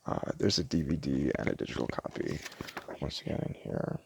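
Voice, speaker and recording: Very deep, gravelly man in casual ASMR. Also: brisk, a little hiss or hum. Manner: casual, hesitant, stumbles over words and self-corrects. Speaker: ASMR roleplay performer playing a DVD store clerk. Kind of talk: rambling casual ASMR roleplay, reading out film blurbs.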